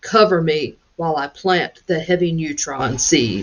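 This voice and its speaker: Using a put-on character voice, a man growls at a moderate pace in a fairly high pitch. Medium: read story. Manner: menacing.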